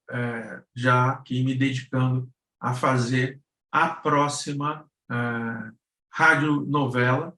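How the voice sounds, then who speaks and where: A man with a Brazilian accent giving a casual explanation as a guest, halting and searching for words, in an echoey room. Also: on the high side, fairly bright tone. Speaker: guest presenter, radio drama producer, cultural policy consultant.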